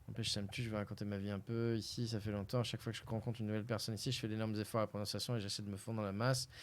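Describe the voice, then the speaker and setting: A man's voice: on the low side, little pitch movement, racing. A young man from France reading a game aloud and chatting casually on a live stream, with hesitations. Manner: casual, hesitant, lots of fillers.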